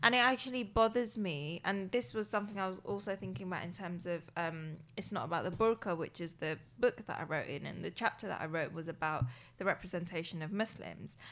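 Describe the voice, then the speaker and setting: A woman speaks at a fairly quick pace with fairly low pitch and vocal fry. Her intonation is lively. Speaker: company co-founder. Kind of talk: casual reflective conversation.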